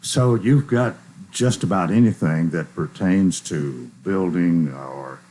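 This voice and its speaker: A man's voice: low voice, warm tone. A man hosting a local radio talk show, asking folksy questions with frequent restarts. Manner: folksy, halting questions with repeated words. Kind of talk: casual radio interview.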